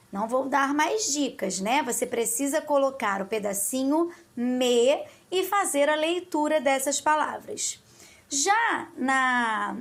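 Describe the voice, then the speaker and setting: Slow, high-voiced patient woman teacher. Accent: Carioca Portuguese. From Brazil. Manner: slow, patient, sing-song teacher talk with diminutives. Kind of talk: recorded lesson for young pupils.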